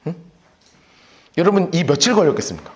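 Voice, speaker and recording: A man preaches from the pulpit in a high, lively voice that swoops up and down as he acts out the story. His voice rings through an echoey church hall, picked up by a handheld microphone. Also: fairly quick. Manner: animated storytelling, acting out voices. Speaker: pastor. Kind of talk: sermon. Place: church sanctuary.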